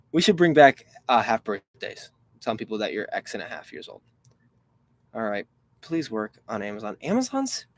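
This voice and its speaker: This online reseller, in his twenties, sounds fairly bright with a medium pitch as he hosts a casual live stream. He reads out chat questions in a chatty, rambling way, slipping in irritated asides about a website that won't stop failing.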